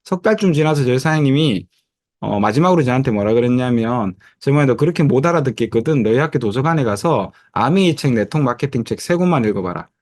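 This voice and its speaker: Middle-aged male presenter, animated storyteller with a dry close sound, filler-heavy pitch to an online audience. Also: no echo. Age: 50s. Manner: lively storytelling with many fillers, acting out past dialogue. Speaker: network marketing presenter. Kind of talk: motivational presentation over a video call.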